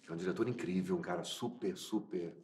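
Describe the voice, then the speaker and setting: A low-voiced man from Minas Gerais talks about his acting work, circling back with fillers and restarts as he searches for words. The room around him rings with echo. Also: fast, darkish tone. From Minas Gerais, Brazil. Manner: hesitant, many repeated fillers and restarts. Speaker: actor interviewed about his film. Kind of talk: casual interview answers.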